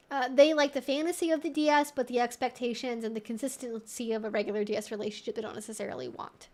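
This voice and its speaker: A woman hosting a casual educational livestream, explaining things conversationally with lots of "like" and "you know". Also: high voice. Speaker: host of a live Q&A stream.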